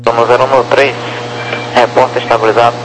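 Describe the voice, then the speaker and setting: Man, Brazilian accent, air traffic controller, flat delivery, procedural phrases, crackly military-style radio, heavy static and hum. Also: medium pitch, fairly quick. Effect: crackly aviation radio transmission. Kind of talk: clipped procedural radio instructions. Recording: noisy, humming air-band radio.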